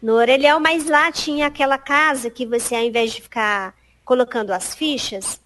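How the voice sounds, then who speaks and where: Guest: high-voiced middle-aged Piauí-accented woman, lively storyteller who mimics the people she quotes. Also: normal speed. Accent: Piauí Brazilian Portuguese. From Piauí, Brazil. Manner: animated, acts out quoted dialogue, laughs often. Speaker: podcast guest. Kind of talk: casual storytelling interview.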